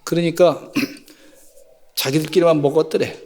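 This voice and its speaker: A man's voice: a little high, fairly even intonation, unhurried, a little mellow, long reverb tail. A middle-aged man preaching a sermon as pastor, telling folksy stories and rising to fervent exhortation.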